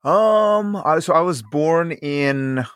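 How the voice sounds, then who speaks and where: A man in his thirties, raised in Ohio after an early childhood in Ukraine, talking thoughtfully as a podcast guest and often trailing off softly. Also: a little high, expressive, slow, no echo, studio quality. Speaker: guest, circus performer. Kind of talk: casual interview chat.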